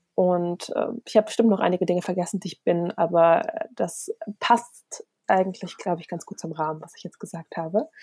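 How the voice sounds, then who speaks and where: In a normal speaking voice, a woman of medium pitch talks fairly quickly with fairly even intonation and big swings in loudness, in a dry, close sound with no echo. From Germany, Berlin. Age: 20s. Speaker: entrepreneur and education activist. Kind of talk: podcast interview.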